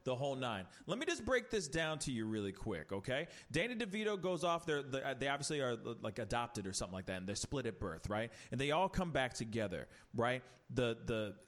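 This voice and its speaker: A man's voice: medium pitch, big pitch swings, fairly quick, hardly any pauses, fairly bright tone. A man hosting a casual podcast chat, ranting animatedly with rhetorical questions and many restarts. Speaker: podcast host.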